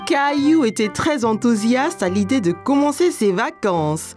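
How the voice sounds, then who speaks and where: A woman tells a children's cartoon story in a gentle storybook manner. Her pitch moves lively up and down, and faint music sits behind her. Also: unhurried. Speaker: narrator.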